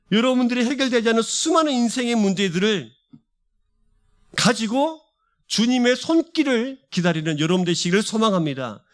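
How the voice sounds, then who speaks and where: Male pastor, high and very lively voice, fervent sermon delivery with repeated building phrases. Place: church service.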